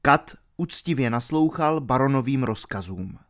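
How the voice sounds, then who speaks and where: A man reading an audiobook aloud in a steady, measured storytelling voice. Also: mid-range voice. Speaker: audiobook narrator.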